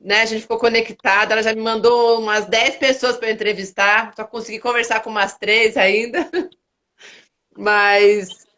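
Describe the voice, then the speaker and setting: A woman's voice: on the high side, little pitch movement, a little slow. Chatty woman hosting a live. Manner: warm, chatty, readily agreeing. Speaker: host of an online live show. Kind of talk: casual live interview chat.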